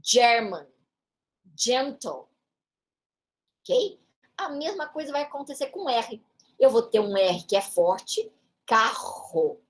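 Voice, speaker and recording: A woman teaching a lesson in a São Paulo Brazilian Portuguese accent, her voice sitting somewhat high. She talks slowly and patiently, going through examples one at a time. She often stops to check in with short tag questions. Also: sing-song. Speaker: English teacher. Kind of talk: classroom-style lesson explanation.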